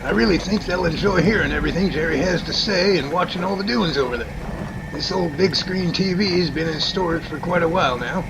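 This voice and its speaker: Man acting a creaky, folksy professor. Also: sits high, brisk, a loud crowd, poor audio. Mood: pleased. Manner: folksy, wordy, explanatory. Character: chatty, folksy professor, enthusiastic male explainer. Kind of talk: amateur radio drama acting.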